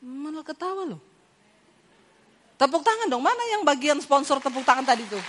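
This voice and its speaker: A woman preacher giving a lively sermon, telling stories and mimicking the voices of the people in them. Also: high voice, moderate pace. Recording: hall reverb.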